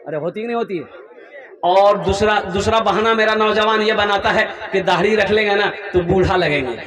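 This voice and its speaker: A man preaching a storytelling sermon to a gathering, animated and rising to shouts for emphasis. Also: high voice, normal speed, a crowd in the background. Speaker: Islamic preacher. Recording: echoey hall, mic far off.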